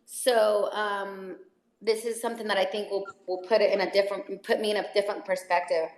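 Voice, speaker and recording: A woman's voice: medium pitch, level tone, fairly quick, echoey room, slight background noise, low-quality recording. A woman from El Salvador, an actress, chatting casually and rambling with many fillers and restarts. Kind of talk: casual video chat.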